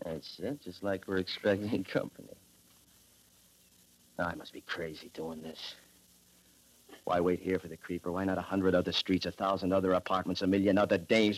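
An actor playing a drunken, menacing private detective in a 1940s radio drama, slurring and swinging between tenderness and threats. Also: male voice, low voice, poor audio. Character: drunken hard-boiled male private eye, menacing.

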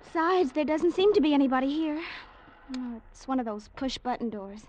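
A woman's voice: high voice, animated, a little fast, darkish tone, a little hiss or hum. An actress playing a playful young woman about to be married, in 1940s radio acting style, teasing and affectionate.

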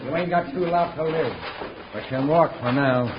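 A man's voice: on the high side, normal speed, close to an everyday voice. A man playing a menacing, surly outlaw henchman with an American Western accent in an old radio drama. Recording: noisy, echoey, dull old radio recording.

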